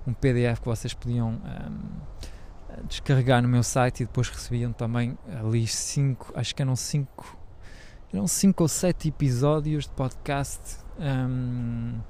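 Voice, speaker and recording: A man's voice: medium pitch, steady tone, unhurried, warm tone, slight background noise. A man hosting his own podcast in a casual, rambling monologue, hesitant and full of fillers, speaking Portuguese with a French accent. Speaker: podcast host.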